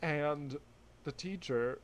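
This young adult woman co-hosts a podcast, chatting casually and telling stories while laughing often. Her voice is low-pitched and she takes her time. A faint hiss or hum sits under the audio.

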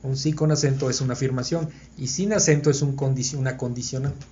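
A man's voice: mid-range voice, fairly even intonation, fast, mellow, a little hiss or hum. A man leads a conversational Bible study for a small group. He thinks aloud and keeps checking that his listeners are following. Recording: dull lo-fi recording.

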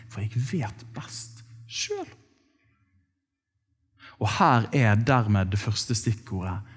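Husky preacher, conversational sermon. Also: male voice, mid-range voice. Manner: conversational, rhetorical questions to the congregation. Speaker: pastor. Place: church.

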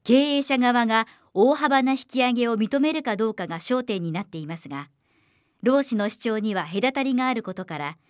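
A middle-aged woman voiceover professional reading scripted narration with polished, clearly articulated delivery. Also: fairly high pitch, lively intonation, brisk, no room sound. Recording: dry studio voice recording.

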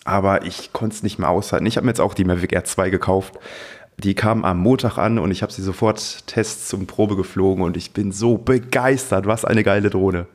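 A man who co-hosts a podcast and flies drones as a hobby chats in an enthusiastic, informal way. His voice is low-pitched and steady, and he speaks at a moderate pace.

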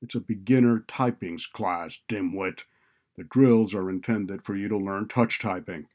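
Audiobook role: bullying male administrator, low pitch, blunt and browbeating, performed by a male narrator. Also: a little slow, a little mellow. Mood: stern, threatening. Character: cynical, bullying male college administrator, brusque and threatening.

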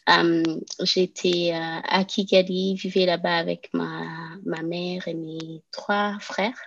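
Gravelly-voiced woman guest from Rwanda. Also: lowish voice, little pitch movement, takes it slowly, a bit bright. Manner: hesitant, many fillers, earnest. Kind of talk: personal interview. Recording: dull lo-fi podcast recording.

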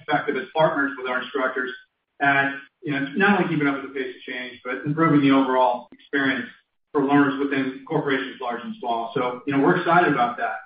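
A man speaking as a company executive on an earnings call, wordy and assured in corporate phrasing. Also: mid-range voice. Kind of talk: earnings call answers, corporate business talk. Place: conference call from a room. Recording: roomy, distant mic, dull sound.

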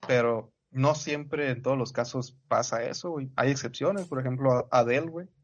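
A man's voice: mid-range voice, moderate pace. A Mexican man talking easygoing and slangy in a podcast chat, his mid-range voice captured on a slightly dull, lo-fi recording. He drops casual filler words all through his sentences. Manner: laid-back slangy talk, peppers sentences with "güey".

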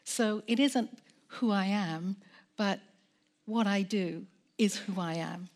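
A woman's voice: medium pitch, slow pace, a little mellow. A woman professor, from the Caribbean, speaking on a live panel with firm, earnest argument.

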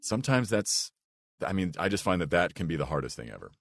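A man with a big, low, rich voice who talks earnestly and thoughtfully as a voice actor guest in a casual podcast chat. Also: very animated, fast, vocal fry, dry recording. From United States. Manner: earnest and reflective, with restarts and "like".

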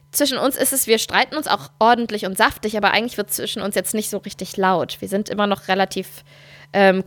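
A woman's voice: fairly high pitch, fairly bright tone, no echo. A woman in her thirties chatting casually as a podcast co-host, telling stories candidly and animatedly. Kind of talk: casual chat.

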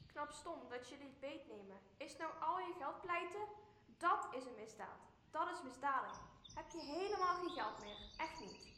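Woman acting sharp, greedy daughter, high, echoey. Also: animated, normal speed. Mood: scornful. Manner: sharp, scornful questioning. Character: greedy, accusing, materialistic young daughter. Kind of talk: Dutch radio play acting. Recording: echoey, faint ambient noise.

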